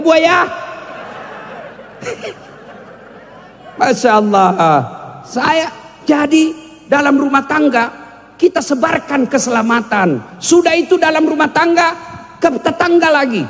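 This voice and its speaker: Guy preaching a funny sermon, high voice, jokes around with the crowd, big echoey hall. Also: fairly bright tone. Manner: jokes with the audience and breaks into song. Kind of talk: humorous sermon. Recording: long hall reverb.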